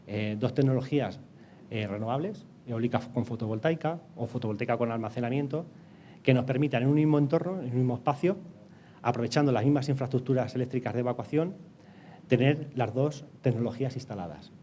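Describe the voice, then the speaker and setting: A man with a Castilian Spanish accent speaks in a mellow, mid-pitched voice. He explains things as an interview guest, hesitating and repeating words. There is light ambient noise behind him. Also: brisk. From Castilla-La Mancha, Spain. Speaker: interview guest, energy company project director.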